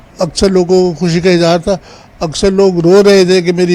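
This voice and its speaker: Flat, monotone speech against noticeable background noise. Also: man. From India. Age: 80s+. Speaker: partition eyewitness. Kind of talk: interview.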